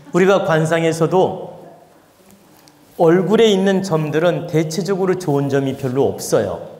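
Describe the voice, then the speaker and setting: Speaking fairly slowly in a Chungcheong accent, a man with a high pitch and fairly even intonation takes long, frequent pauses amid audible room echo and noticeable background noise. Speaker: lecturer on fortune-telling and physiognomy. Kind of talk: lecture. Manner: casual, conversational.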